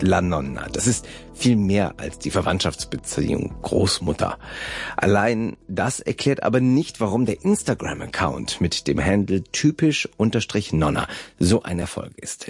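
A man hosting a radio program, who speaks calmly and articulately in scripted introductions and interview questions. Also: sits low, creaky, breathy edge. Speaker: radio host. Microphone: studio microphone.

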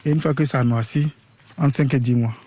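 A man's voice: mid-range voice, fairly even intonation, brisk, mellow, slightly rough. A man botanist speaking in an interview, carefully searching for words.

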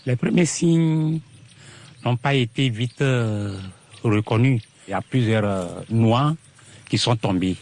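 A man farmer speaking haltingly, with hesitations, away from the mic. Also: mid-range voice, a little mellow.

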